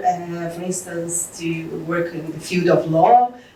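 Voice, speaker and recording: Fairly slow female speech amid audible room echo and noticeable background noise. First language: not English. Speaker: neuroscientist and assistant professor. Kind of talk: interview.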